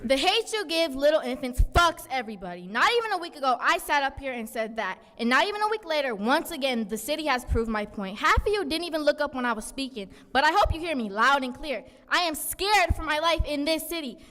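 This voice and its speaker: A woman addresses a city council, defiant and pleading. Her voice is quite high. It rings with the long reverb of the chamber. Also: expressive, brisk, few pauses, a bit bright. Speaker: public commenter. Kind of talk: public comment.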